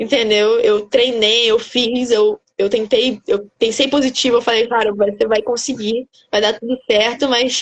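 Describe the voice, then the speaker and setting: Fairly even in intonation, the delivery proceeds at a fairly slow pace. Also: woman. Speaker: theatre student. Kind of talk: podcast interview. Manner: soft-spoken.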